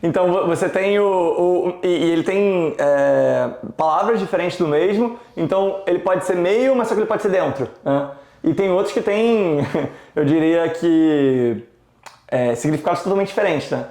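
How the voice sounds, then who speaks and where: A man's voice: high voice, normal speed, a little mellow. A man, a podcast guest telling stories in a casual, reflective way, with many fillers and restarts. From Rio de Janeiro, Brazil. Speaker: podcast guest, startup founder. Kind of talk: casual interview chat. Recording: echoey room.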